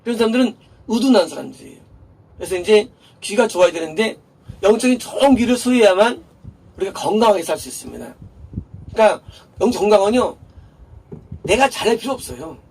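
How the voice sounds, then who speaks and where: A man's voice: high voice, animated, a little fast, long pauses, a little mellow, slightly rough. A male pastor giving a chatty, conversational sermon, posing rhetorical questions to the congregation and answering them himself. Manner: chatty and informal, with laughs in passing. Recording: voice a bit distant from the mic, faint background noise.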